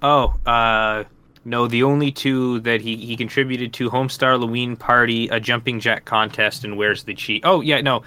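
Podcast guy chatting away, bright clean voice, laughs a lot, lots of uh's. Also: mid-range voice, steady tone, moderate pace. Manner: chatty, laughs often, many fillers. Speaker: podcast co-host. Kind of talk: casual podcast chat.

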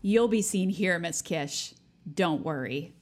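An actress playing a self-righteous, overbearing Catholic high school senior girl in an audio play, chirpy, pushy and self-important. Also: expressive, slow pace. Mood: eager, bossy. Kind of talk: naturalistic audio drama acting.

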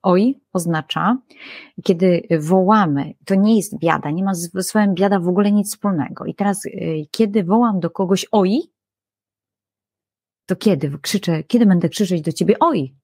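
A woman with a fairly low voice explains scripture in an animated, chatty way, with hesitant fillers and quoted lines she acts out. The sound is dry and close, with no room echo. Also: normal speed, slightly rough. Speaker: biblical scholar guest. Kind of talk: explanatory conversational talk.

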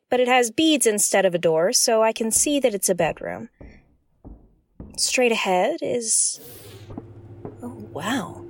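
A woman's voice: medium pitch, a little hiss or hum, lightly acted. A woman playing an inquisitive young spaceship explorer in an audio drama, wryly talking to herself as she goes. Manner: talks to herself, wry and inquisitive. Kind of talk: audio drama acting, narrating actions aloud.

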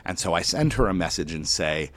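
A man with a notably deep, low voice tells a personal story to an audience. He is a schoolteacher, and his telling is animated, with sudden loud bursts and slow dramatic drops. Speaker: elementary school teacher.

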